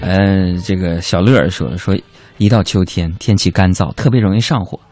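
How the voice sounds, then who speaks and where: A man's voice: deep voice, normal speed, darkish tone, soft background music. A man hosting a comic radio talk show, reading listener messages in a playful, self-mocking storytelling way.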